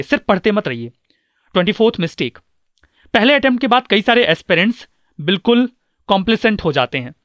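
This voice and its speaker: High-voiced man giving earnest exam advice. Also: fairly bright tone, dry recording. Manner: earnest, instructive, mixes English terms. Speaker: exam coach. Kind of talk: scripted advice talk.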